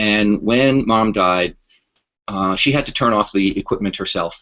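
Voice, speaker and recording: Fairly low male pitch, moderate pace and fairly even intonation from a man. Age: 60s. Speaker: end-of-life advocate. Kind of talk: interview. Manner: halting.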